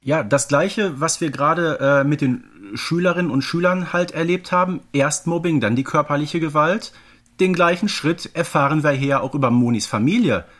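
A man's voice: fairly high pitch, normal speed, fairly bright tone. A man from the Ruhr region with a German accent, hosting a podcast in a colloquial, conversational way. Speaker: podcast host.

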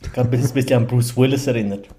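A man's voice: medium pitch, fairly even intonation, fast talker, dark tone. Swiss German man hosting a casual podcast. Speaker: podcast host. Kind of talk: casual film chat.

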